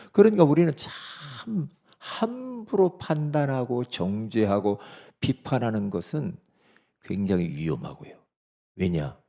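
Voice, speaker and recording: A man's voice: mid-range voice, creaky, mellow. A middle-aged man preaching a sermon as pastor, in a conversational way, often checking with the congregation.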